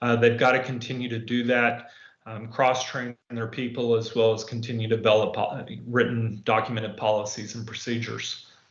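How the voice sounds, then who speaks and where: The delivery moves at a fairly quick pace with a monotone, flat intonation. Room echo is audible. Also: man, medium pitch for a man. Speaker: external auditor. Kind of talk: formal presentation to committee. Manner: halting with fillers and self-corrections.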